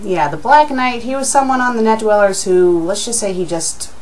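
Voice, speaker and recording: A woman with a mid-range voice reads fan fiction aloud as a host. Her delivery moves between dramatic storytelling and casual, amused commentary. She sounds expressive and conversational. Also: medium pitch, moderate pace.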